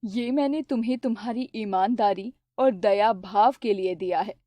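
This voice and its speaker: Woman doing a calm kind cartoon river goddess, lowish, dry close sound. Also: moderate pace, no echo, close to an everyday voice. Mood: benevolent. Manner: calm, benevolent.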